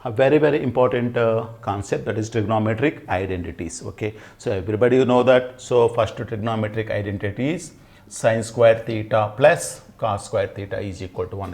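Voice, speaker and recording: A man's voice: fairly low pitch, vocal fry, darkish tone. A middle-aged man with a Telugu accent teaching at a whiteboard, emphatically repeating phrases and asking himself questions. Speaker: maths teacher. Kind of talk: classroom lesson at a whiteboard. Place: indoors at a whiteboard. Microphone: lapel mic.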